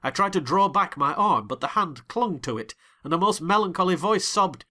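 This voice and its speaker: A man reading a novel aloud as a dramatized audiobook, theatrical and quick to rise into excited shouts. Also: high voice. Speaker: narrator.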